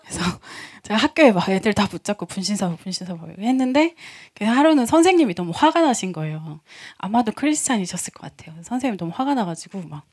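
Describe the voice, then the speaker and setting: A woman pastor in her thirties preaching a testimony sermon, telling stories in a lively way, acting out the voices of friends and laughing often. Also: on the high side, fast, hardly any pauses, slightly rough.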